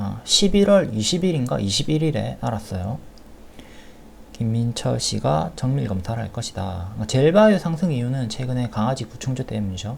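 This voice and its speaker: With audible room echo, a man speaks at a medium pitch using very wide pitch swings. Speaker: stock trading advisor. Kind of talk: lecture. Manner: slow.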